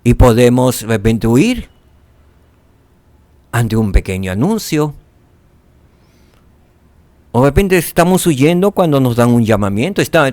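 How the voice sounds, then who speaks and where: A man teaching a scripture lesson, asking rhetorical questions and dropping to soft tones for emphasis. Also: medium pitch, no room sound.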